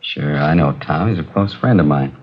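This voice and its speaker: A man's voice: extremely low pitch, normal speed. An actor playing an indignant, evasive male jewelry store owner under questioning in a 1950s radio drama, talkative and protesting. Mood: feigned innocence. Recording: dull, hissy old radio recording.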